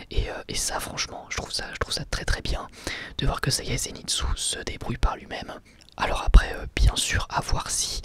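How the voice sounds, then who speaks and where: A man whispering a casual ASMR review, soft and hesitant, with many small pauses and fillers. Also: on the high side.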